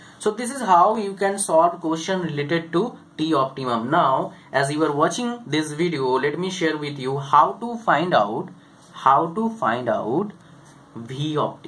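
Over noticeable background noise, the speech moves at a fairly slow pace. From India. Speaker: engineering exam tutor. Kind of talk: tutorial.

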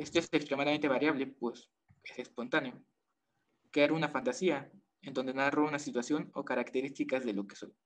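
A man talks at a fairly quick pace with a fairly high pitch. His intonation stays fairly even while his loudness swings a lot. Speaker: music student. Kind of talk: reading a prepared text, then discussion; presentation of own creative method. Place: home room. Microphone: video call.

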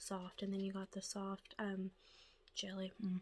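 Somewhat breathy and medium in pitch, a woman speaks with an American accent over light background noise. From United States. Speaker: ASMR creator. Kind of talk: ASMR eating video talking to camera. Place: home room.

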